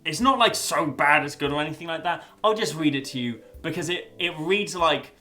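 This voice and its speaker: A man's voice: fairly high pitch, expressive, a little fast, pushed and bright, soft background music. A young man giving a casual spoken review, rambling with lots of fillers and restarts, and swearing now and then. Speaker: video essayist reviewing a story.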